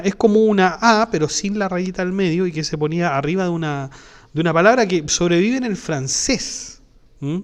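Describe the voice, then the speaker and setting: A man hosting a philosophy channel, explaining a topic in a patient lecture style and often checking in with his listeners. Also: high-pitched.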